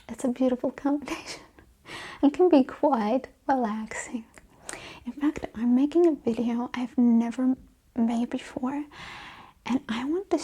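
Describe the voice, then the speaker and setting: Slow whispering woman, breathy ASMR. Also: high-pitched, dark tone. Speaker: ASMR video host. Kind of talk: ASMR, soft-spoken casual chat.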